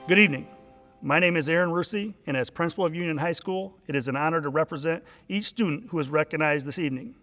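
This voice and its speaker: A man who is a high school principal, giving a formal, praising introduction at an awards ceremony. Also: quick pace, a bit bright, soft background music. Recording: long reverb of a large hall.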